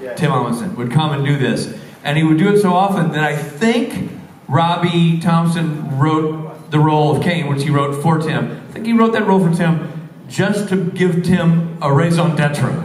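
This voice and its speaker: A man speaks at a moderate pace with ordinary pitch variation. There is light background noise and audible room echo. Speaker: guest. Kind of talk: stage storytelling to audience. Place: stage.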